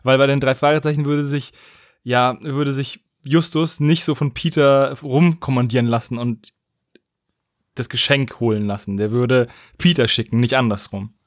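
A man's voice: medium pitch, steady tone, normal speed, dry recording, studio quality. A man talking casually as one of the hosts of a podcast. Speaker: podcast host.

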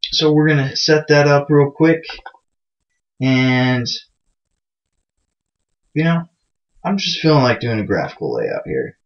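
A man hosts a casual programming screencast, loose and chatty, making fun of himself and using lots of fillers. His mid-range voice is very animated, slow and often paused, recorded on a dull lo-fi mic.

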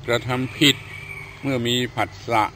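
An older man, a Buddhist monk from Thailand, giving a slow, measured sermon with occasional hesitant fillers. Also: bright, forceful tone, slight background noise.

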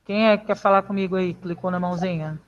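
Over lo-fi video call audio, a Brazilian woman with a Brazilian Portuguese accent, a primary school teacher, leads a live online class for children, reassuring them patiently and coaxing them with questions. She talks fast, with a steady tone, and her voice is on the low side.

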